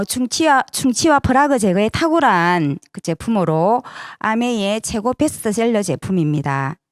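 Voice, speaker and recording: Recorded in a clean studio with no echo, a medium-pitched woman delivers a persuasive sales seminar to her audience. She frequently asks for agreement using brief tag questions.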